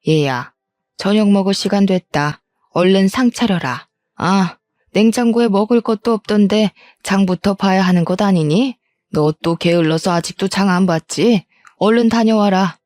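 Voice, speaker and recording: A woman voicing a sharp-tongued older mother-in-law who nags and scolds with contempt. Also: medium pitch, normal speed, no echo, close to an everyday voice. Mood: scolding. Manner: nagging, scornful scolding.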